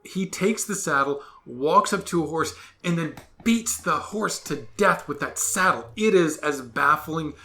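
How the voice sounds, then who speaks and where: A man's voice: a little high, expressive, unhurried, few pauses, sharp tone. A man ranting sarcastically in a solo commentary monologue, exasperated and full of absurd comparisons. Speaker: podcast host.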